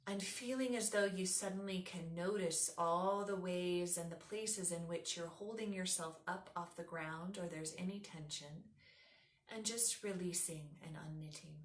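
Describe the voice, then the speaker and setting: A woman teaching yoga nidra, leading a guided meditation in a soothing, instructive, unhurried way. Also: lowish voice, roomy sound.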